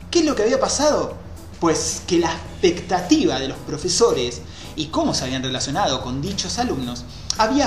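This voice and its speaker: A man in his thirties speaking on a headset mic in a small room, explaining psychology ideas with lively hand gestures. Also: fairly high pitch. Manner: animated, gesturing with both hands. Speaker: host. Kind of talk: explanatory talk on a video call. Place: small room with a white wall, indoors. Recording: echoey room with faint music.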